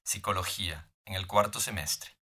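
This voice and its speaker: Bright-voiced man reading slow lesson lines. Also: sits low, slightly rough. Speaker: dialogue reader in a language lesson. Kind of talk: scripted beginner dialogue.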